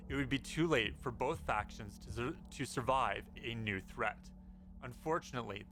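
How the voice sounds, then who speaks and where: A man's voice: mid-range voice, sharp tone. A man hosting an informal video commentary on game news, speaking as a narrator over his footage. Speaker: gaming news YouTuber, host. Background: background music.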